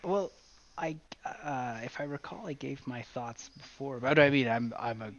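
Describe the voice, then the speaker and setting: Male podcast panelist, halting delivery, muffled lo-fi sound. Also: mid-range voice, fairly bright tone. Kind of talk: casual group chat.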